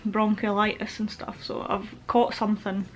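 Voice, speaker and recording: A woman's voice: medium pitch, flat delivery, moderate pace, slight background noise. A young woman giving a candid, meandering personal update to camera at home, a little stuffy-nosed from a cold. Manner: open, meandering, with frequent fillers. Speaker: vlogger. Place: at home, with pet rabbits nearby.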